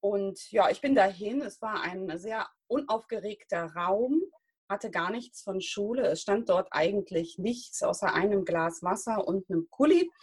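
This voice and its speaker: An unremarkable speaking voice from a woman, medium in pitch, fairly slow, with lively intonation. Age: 40s. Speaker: interview guest. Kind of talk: interview.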